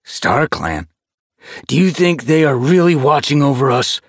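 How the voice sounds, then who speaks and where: Bitter black tomcat read by a man, contemptuous, husky voice, dry close sound. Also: medium pitch, very animated, measured pace, no echo, voice pushed up. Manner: contemptuous, spitting. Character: bitter long-legged black tomcat warrior.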